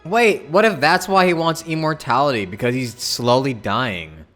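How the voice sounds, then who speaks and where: A man's voice: medium pitch, animated, moderate pace, a bit bright. A man giving casual live reactions as a game streamer, with game music behind him.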